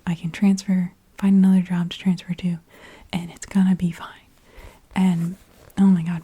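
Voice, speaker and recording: A woman tells a personal story in soft-spoken, mostly whispered ASMR, breathy and informal, with a halting, confiding delivery. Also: lowish voice. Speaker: ASMR video creator.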